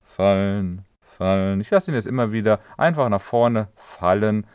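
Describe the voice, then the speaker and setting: A man explaining voice health as a voice coach, speaking calmly and addressing the listener directly in an instructive way. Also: fairly low pitch, moderate pace, dry recording, clean studio sound.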